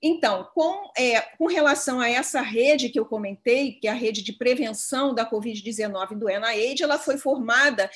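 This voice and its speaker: A woman, a lab head, giving an online academic talk over a video call, pausing often with fillers. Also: a little high, a bit bright. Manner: hesitant, many filler pauses.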